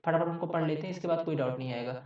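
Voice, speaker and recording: A man giving an exam-prep grammar lecture. He repeats each point and keeps checking in with a quick "okay". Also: fairly high pitch. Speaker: teacher. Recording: echoey, distant, dull mic.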